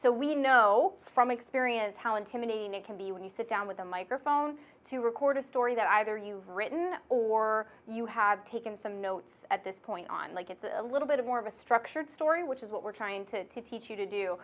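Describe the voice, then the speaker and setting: A woman's voice: on the high side, a little fast, few pauses, lo-fi sound. Chatty nasal woman teaching. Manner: bubbly, chatty, laughs often. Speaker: instructor and podcast host. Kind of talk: casual instructional chat.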